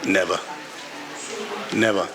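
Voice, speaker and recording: A man's voice: low-pitched, fairly even intonation, slow, a crowd in the background. A middle-aged man with a Pakistani accent answers candidly as an author at a live event, speaking emphatically and repeating phrases for stress. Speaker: author on a festival panel. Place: live literary festival session in a garden venue. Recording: live event with background noise.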